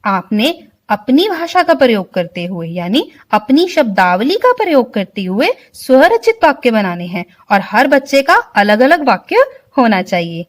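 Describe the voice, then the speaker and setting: Slow, lively-voiced woman Hindi teacher. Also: fairly high pitch. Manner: slow, explains word by word, keeps asking if clear. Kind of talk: online vocabulary lesson for children.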